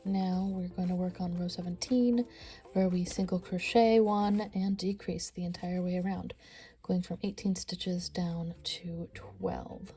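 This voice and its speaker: A woman with a stuffy nose teaching a crochet tutorial, counting stitches aloud and often sinking to a soft near-whisper. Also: fairly low pitch, steady tone, a little slow, faint music behind. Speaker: crochet instructor. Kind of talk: step-by-step craft tutorial.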